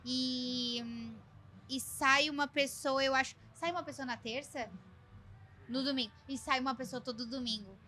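Convidada brasileira animada, voz alta e brilhante, sotaque brasileiro, ri muito. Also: female voice, high voice, normal speed. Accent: Brazilian Portuguese. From Brazil. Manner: animated storyteller, laughs often, acts out quotes. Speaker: guest. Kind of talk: casual chat. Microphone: studio mic.

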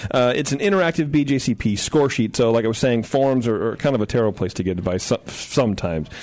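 A man's voice: medium pitch, fast, darkish tone. A man hosting a studio podcast, joking and chatty and laughing often. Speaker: podcast host. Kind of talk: casual chat. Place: radio studio.

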